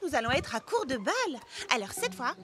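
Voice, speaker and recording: A woman's voice: high voice, sing-song, brisk. A woman voicing an exasperated but affectionate young girl in a dubbed children's cartoon, coaxing and scolding expressively. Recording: music behind the voice.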